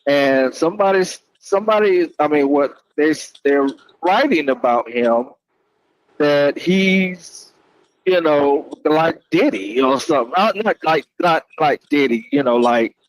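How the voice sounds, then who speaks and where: Slow, halting man in casual chat. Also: on the high side, animated, dry recording, rough recording. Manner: halting, roundabout, peppered with "you know". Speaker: panelist asking a question.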